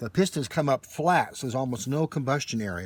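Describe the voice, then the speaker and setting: The recording is very clean, with a silent background. A man talks very fast in a somewhat breathy voice. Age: 60s. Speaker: mechanic. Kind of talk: casual chat. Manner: halting.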